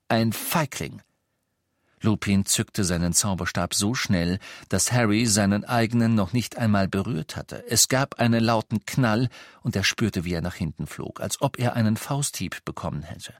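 A man with a fairly low voice narrates an audiobook in a steady, measured storytelling style. The scripted reading has clean studio sound with no room echo.

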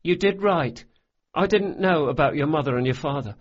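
A man voicing a young orphan boy who talks quickly and earnestly, stumbling over his words. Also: fairly high pitch, lively intonation, dull audio, pitched above the performer's own voice.

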